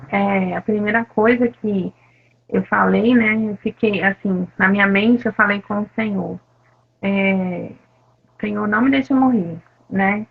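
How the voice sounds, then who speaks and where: A Brazilian woman giving a halting, soft personal testimony in an interview, with many fillers. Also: mid-range voice, gravelly, husky. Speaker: interview guest, attack survivor. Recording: phone-like narrow sound.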